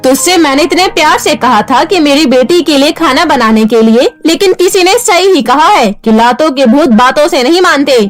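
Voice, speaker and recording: A woman's voice: lively intonation, moderate pace, hardly any pauses, soft background music. A woman voicing a harsh, bossy stepmother in a cartoon story, scolding sharply. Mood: angry scolding. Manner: shrill, bossy, cruel scolding.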